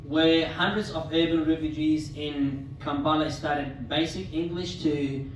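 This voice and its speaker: A man from Somalia in his thirties, giving a prepared, formal talk as a guest speaker at a club dinner, with measured delivery and occasional restarts. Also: a little high, steady tone, recorded from a distance, a little hiss or hum. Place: club meeting room. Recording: echoey hall, speaker away from mic.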